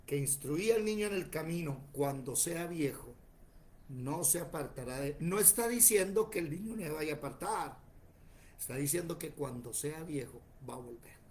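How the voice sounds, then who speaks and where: Preacher, male, forties, voice sits a bit high, animated storyteller who acts out the people in his stories. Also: normal speed. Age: 40s. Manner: animated, tells stories acting out other voices. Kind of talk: sermon with personal stories. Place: church.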